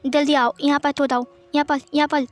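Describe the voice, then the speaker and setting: A woman's voice: high voice, level tone, a little fast, natural voice. A woman voicing a small stubborn boy who cries and stammers as he pleads, in a told story. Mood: whiny.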